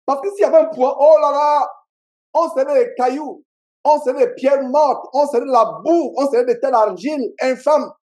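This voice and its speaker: Male pastor, Cameroonian French accent, warm high voice, emphatic call-and-response sermon delivery. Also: moderate pace. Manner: emphatic, repeats key phrases, call-and-response with the congregation. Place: church meeting.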